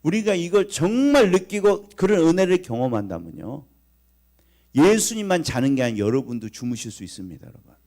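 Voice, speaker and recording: A man's voice: a little high, brisk. A male pastor preaching a Sunday sermon, telling a story vividly and putting questions straight to the congregation. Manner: animated storytelling with acted lines of Jesus; talks directly to the congregation, asking questions.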